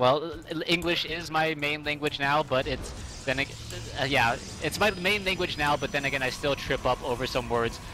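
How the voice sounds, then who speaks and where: Through noticeable background noise, a man talks at a moderate pace in a fairly high pitch with ordinary pitch variation. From United States. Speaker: esports caster. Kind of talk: live commentary.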